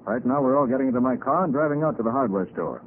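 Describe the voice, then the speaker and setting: An actor playing a brisk, commanding master detective in a 1940s radio drama, speaking in a clipped, authoritative manner. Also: male voice, medium pitch, expressive, close to an everyday voice. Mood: urgent, grave. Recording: scratchy, tinny 1940s radio recording.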